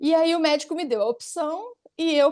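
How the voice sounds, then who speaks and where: A woman with an animated tone. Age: 40s. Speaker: lawyer. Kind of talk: interview.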